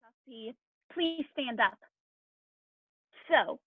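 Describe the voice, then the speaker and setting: Radio play villain, played by a woman: courteous, stilted, quietly threatening, high pitch, narrow telephone-like sound. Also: lively intonation, very slow, slightly rough, dry recording, full character voice. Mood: politely menacing. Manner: formal, stilted, over-polite menace. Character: polite, shifty, menacing Greek man with pistol. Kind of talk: film noir radio play acting. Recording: thin, phone-like band-limited sound.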